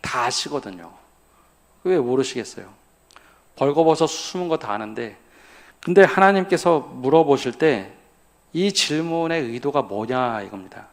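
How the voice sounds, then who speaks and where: A man pastor preaching to his congregation at a midweek prayer service. His voice sits at an ordinary middle pitch, and he keeps throwing questions out to the listeners before answering them himself. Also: lively intonation, unhurried. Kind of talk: sermon.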